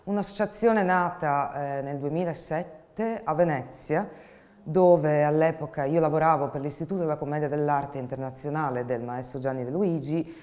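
A woman, speaking reflectively and pausing to find words as she explains her artistic work in an interview. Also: low-pitched, darkish tone. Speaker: actress and theatre group co-founder. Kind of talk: interview monologue about own artistic work. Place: dark indoor studio, seated.

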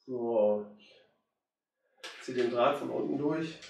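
A hoarse man in his fifties with a cold, chatting casually to viewers as he works on a plant. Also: medium pitch, very slow, recorded from a distance, slight background noise. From Germany. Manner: relaxed, chatty, addresses viewers directly. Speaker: bonsai hobbyist. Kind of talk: casual how-to commentary while working. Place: indoor room with curtain backdrop. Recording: very echoey room, voice off-mic.

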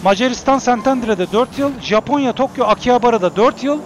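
A man in his forties chatting bluntly while playing a game, swearing freely and breaking into excited shouts. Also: very high voice, fairly quick, noisy background. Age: 40s. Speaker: gaming streamer. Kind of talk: casual gameplay commentary.

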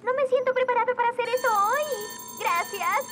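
Very high, bossy little fairy doll. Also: female voice, fairly quick. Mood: indignant. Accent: Latin American Spanish. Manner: bossy, sharp-tongued. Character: tiny, indignant fairy nanny turned doll. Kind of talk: children's cartoon dub.

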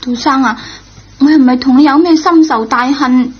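Woman acting schoolgirl, high voice, earnest, pleading, radio drama, muffled lo-fi recording. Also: normal speed, natural voice. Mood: remorseful, earnest. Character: impulsive, remorseful, good-hearted schoolgirl. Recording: dull, lo-fi old radio recording.

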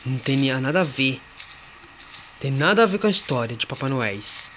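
While working through a horror game, a man talks a little fast in a mid-range voice, casually addressing viewers and a friend. Jump scares make him yelp excitedly, and background noise is present.

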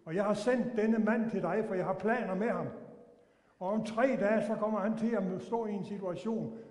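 The Holy Spirit, stern and commanding, as a preacher voices it, speaking in a fairly high voice. A long church reverb trails the words. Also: male voice, darkish tone, natural voice. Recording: echoey church hall.

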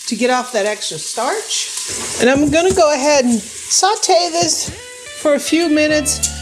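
Woman with a highish voice doing a chatty cooking vlog in her kitchen, bit of music behind. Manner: chatty, unscripted, thinking aloud. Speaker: home cooking vlogger. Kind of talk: casual cooking narration. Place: home kitchen, indoors.

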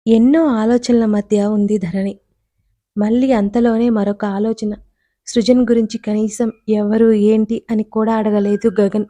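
Woman narrating an audio story, flat steady delivery, mellow voice, dry close sound. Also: medium pitch, no room sound.

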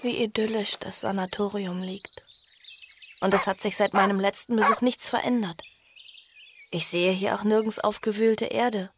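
A woman playing a grave, polite young heroine who narrates and acts in a horror audio drama, earnest and measured. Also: mid-range voice, fairly even intonation, noisy background, natural voice. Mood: anxious, polite.

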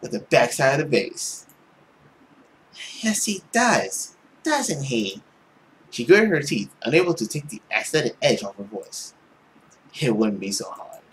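Young male let's player, very lively swings in pitch, playful narration and exclamations, noisy close-mic recording. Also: normal speed. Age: young adult. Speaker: let's play host. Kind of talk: reading a visual novel aloud with reactions.

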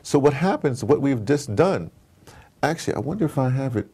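A man's voice: mid-range voice, sing-song, fairly quick, mellow, breathy edge. A man being interviewed, speaking in an emphatic, digressive way and repeating phrases to drive them home. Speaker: interviewee, audio drama producer. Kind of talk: animated interview conversation.

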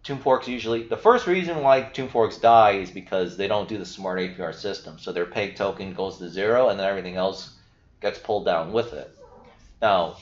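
A young man talks through a screen share in a loose, chatty way, filling gaps with "you know" and "all right". His voice sits a bit low. The sound is roomy and dull, like a basic desk setup in a small room. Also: a little fast. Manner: chatty, filler-heavy, explaining as he goes. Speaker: crypto video host. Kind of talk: casual screen-share walkthrough.

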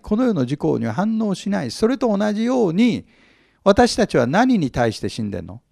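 A man's voice: on the high side, gravelly, a little mellow, no room sound, clean studio sound. A male pastor teaching from the Bible, often asking his audience questions, stressing words with force and acting out small humorous scenes. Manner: humorous, acts out little scenes.

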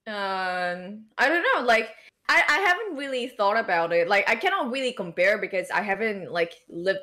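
A woman's voice: medium pitch, expressive, moderate pace. A young Japanese woman with a Japanese accent in English and a Kansai lilt in Japanese, chatting hesitantly as a podcast guest with lots of fillers. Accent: Kansai Japanese in Japanese speech. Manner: soft-spoken, hesitant, with many fillers. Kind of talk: casual chat, switching between English and Japanese. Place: bedroom at home. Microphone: video call.

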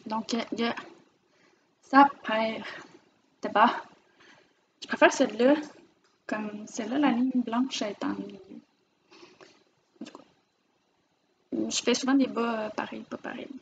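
A knitting vlogger with a Quebec French accent films herself on her camera mic, chatting casually and rambling warmly as she shows off finished projects. Her slightly high voice is creaky, unhurried and fairly even in intonation, with long pauses, and the recording has cut-off highs and a little hiss or hum.

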